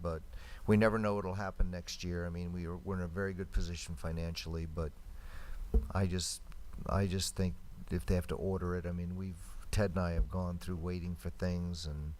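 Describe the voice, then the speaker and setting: A man's voice: deep voice, level tone, moderate pace, a little mellow. A man giving informal, plain-spoken, folksy remarks as a council member in a public meeting.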